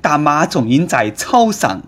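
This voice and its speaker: A man's voice: fairly high pitch, very animated, unhurried, fairly bright tone. A man with a Nanchong Sichuanese accent hosting a comic commentary in a sarcastic, mocking manner. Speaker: host.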